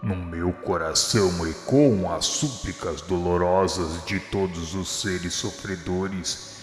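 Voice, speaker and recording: A low-voiced, gentle divine spirit played by a Brazilian man speaks in a religious radio drama. The delivery is very slow and solemn, exhorting, and it rings out in long reverb over music. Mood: solemn, tender.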